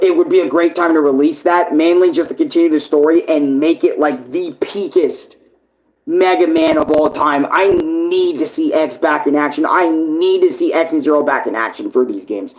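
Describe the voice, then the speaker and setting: Hoarse, rambling young male streamer. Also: a little high, poor audio. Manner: rambling, profane, enthusiastic. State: hoarse, losing his voice. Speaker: streamer ranking games. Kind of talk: casual livestream chat. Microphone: tablet camera.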